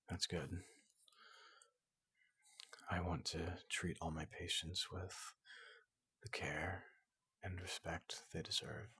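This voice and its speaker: A person softly voicing a large, gentle robot doctor in an ASMR roleplay, often whispering, speaking slowly and haltingly to reassure a patient. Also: sits low, husky, no room sound. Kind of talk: soft-spoken ASMR roleplay.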